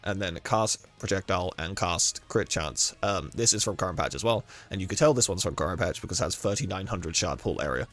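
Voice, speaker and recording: Here the same guide creator's low voice comes across as expressive and a bit bright, running a little fast with few pauses. He's congested and losing his voice to a cold, rambling through a casual walkthrough of his build and run while frequently correcting himself.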